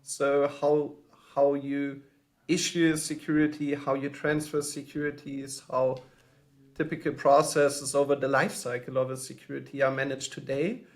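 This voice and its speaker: Podcast guest, man from Germany, mid pitch, thoughtful, hesitant delivery, remote from home. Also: flat delivery, moderate pace. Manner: thoughtful, hesitant, many fillers and restarts. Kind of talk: podcast interview answers.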